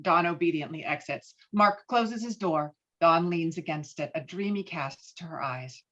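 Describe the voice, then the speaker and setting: A woman's voice: deep voice, normal speed, fairly bright tone, lo-fi sound. A woman giving scripted narration of a screenplay, reading out scene headings and action. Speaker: stage directions narrator.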